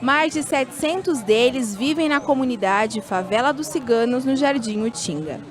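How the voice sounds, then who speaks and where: High-voiced woman reporting news. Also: animated. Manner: measured, formal delivery. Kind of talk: scripted news narration. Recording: news report with music behind.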